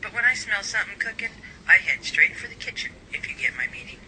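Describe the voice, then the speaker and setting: A man voicing a persistent, sharp female news reporter in a radio drama, with a brisk, wry manner. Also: sits high, big pitch swings, a little hiss or hum, heavily acted, rough recording. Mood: wry, polite.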